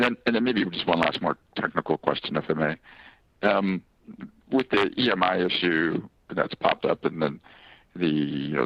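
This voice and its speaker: Low, gravelly man asking analyst questions. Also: no echo. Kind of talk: informal spoken questioning on an earnings call. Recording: dull lo-fi phone conference audio.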